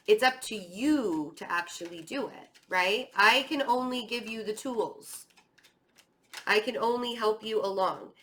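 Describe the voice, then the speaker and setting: A woman's voice: mid-range voice, a little slow, a bit bright, slight background noise. A woman giving a casual, conversational tarot reading, chatty and rambling, encouraging and speaking straight to the listener, with a voice that is starting to tire. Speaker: tarot reader hosting an online reading.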